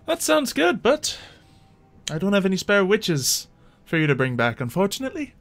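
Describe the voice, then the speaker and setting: A man's voice: high-pitched, wildly swooping pitch, normal speed, a bit bright, faint music behind, pitched above the performer's own voice, full character voice. Man voicing a dry, wary swamp witch. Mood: wry.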